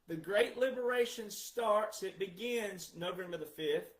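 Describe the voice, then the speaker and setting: Male commentator, high register, roomy echo; emphatic, repeats key words for stress. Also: measured pace. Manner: emphatic, asks rhetorical questions then answers them. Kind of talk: monologue commentary.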